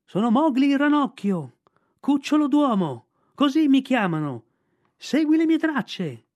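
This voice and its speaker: Mowgli, a shrill desperate boy. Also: sing-song, measured pace, muffled recording, heavily acted. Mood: urgent shouting. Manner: shrill, shouting calls. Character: desperate young boy captive.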